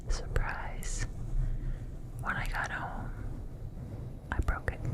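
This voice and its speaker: There's a whisper from a woman. Background noise is noticeable throughout. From Mexico. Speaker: ASMR content creator. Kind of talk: ASMR storytime. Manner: whispered; soft-spoken.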